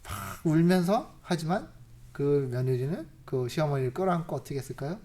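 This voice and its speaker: A preacher delivers a sermon at a church service and tells a long story. The delivery is animated, with loud, emphatic peaks, hushed asides and frequent rhetorical questions to the congregation. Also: mid-range voice, a little fast.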